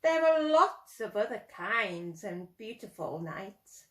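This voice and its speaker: A woman voicing a gentle, inviting big black cat in a children's storybook reading. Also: medium pitch, sing-song, takes it slowly, pitched below the performer's own voice. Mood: gentle, coaxing. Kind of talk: children's storybook read-aloud. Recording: roomy echo.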